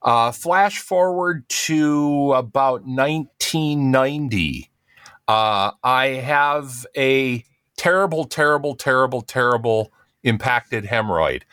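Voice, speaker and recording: A man's voice: mid-range voice, lively intonation, slow, a bit bright, clean tone, no room sound. A man co-hosting a casual comedy podcast, telling rambling self-mocking stories. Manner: rambling storyteller, self-deprecating. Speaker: podcast co-host.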